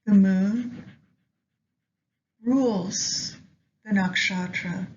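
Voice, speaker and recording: A woman leading a guided meditation with astrology, speaking gently and in measured short phrases with long pauses. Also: medium pitch. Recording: dull lo-fi sound, faint background noise.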